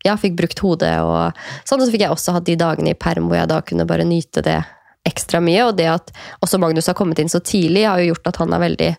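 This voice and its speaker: A woman in her thirties with a low voice, chatting in a relaxed, reflective way. Her voice has a gravelly edge. The recording is dry and close. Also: no room sound. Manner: reflective, many fillers and quoted inner thoughts. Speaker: guest. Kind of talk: casual conversation.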